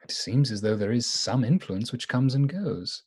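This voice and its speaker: An earnest gentleman keeping a diary in a radio drama. The voice is husky and mid-pitched, formal in manner with an awkward edge. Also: expressive. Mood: measured diary narration. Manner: formal, halting when flustered. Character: earnest, awkward gentleman diarist hiding his affection. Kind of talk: live radio play acting.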